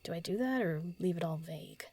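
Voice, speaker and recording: A woman playing a solitary, pensive writer in an audio drama, murmuring halting lines to herself as she composes, often half-whispering. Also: lowish voice, lively intonation, a little mellow, soft background music. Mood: pondering, self-critical. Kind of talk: intimate audio drama monologue, thinking aloud.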